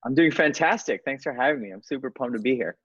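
A man's voice: medium pitch, quick pace, slightly rough, no room sound. Upbeat guy telling startup stories, dry dull-sounding mic. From Bangladesh, raised in New York. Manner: energetic, self-deprecating storyteller. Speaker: guest entrepreneur. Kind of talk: casual interview storytelling.

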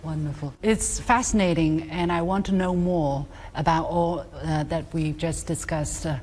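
A woman hosting a televised conversation, her voice sitting fairly low for a woman. She talks with lively interest and jumps in to marvel at what her guests say. A faint hiss sits under her voice. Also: unhurried. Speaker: talk show host.

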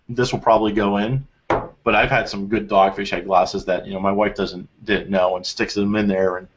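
A man hosting a casual beer review, reading tasting notes and joking with his friends. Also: fairly low pitch. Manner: reads tasting notes then jokes and swears. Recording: slightly dull lo-fi sound.

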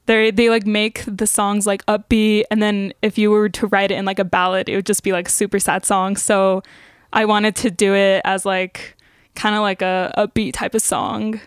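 A woman's voice: medium pitch, little pitch movement, moderate pace, smooth, no echo, clean studio sound. A young adult woman chatting casually as an interview guest, hesitant and leaning on "like" as a filler. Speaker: singer-songwriter guest.

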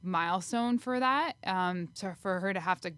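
A woman's voice: medium pitch, moderate pace, fairly bright tone, smooth, no echo. A woman co-hosting a sports podcast in a casual, conversational style. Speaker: podcast co-host.

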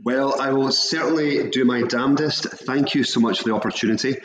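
A man's voice: medium pitch, brisk, low-quality recording. A Scottish man, a hospitality business owner, chatting as a podcast guest in a friendly, jokey way. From Scotland. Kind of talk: casual interview chat.

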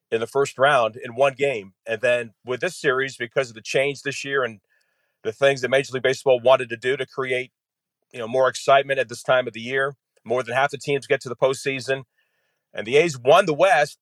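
A man who works as a radio play-by-play announcer answers a host's questions as a guest. He explains in detail in a middle-pitched voice. The sound is dry and close. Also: a bit bright, no echo. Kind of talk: interview answers.

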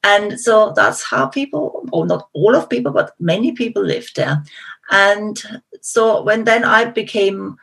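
Austrian lady guest, husky breathy voice, german accent, lots of little restarts. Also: medium pitch, lively intonation, measured pace, a bit bright, rough recording. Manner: hesitant, with frequent restarts and fillers. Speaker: guest, company founder. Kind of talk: casual interview talk. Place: studio.

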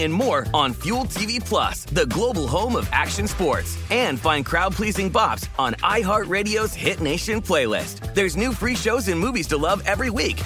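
A man reading a streaming ad in a bouncy, promotional way. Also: high voice. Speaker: ad announcer. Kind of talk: upbeat ad read.

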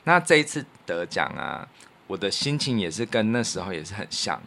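A man with a fairly low voice and a Taiwanese Mandarin accent talks in a casual, reflective podcast style. He explains his thoughts humbly, playing himself down as he goes. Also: sing-song, a little fast, pushed and bright. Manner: modest, self-effacing. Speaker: podcast co-host, radio producer. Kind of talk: casual chat, reflective storytelling.

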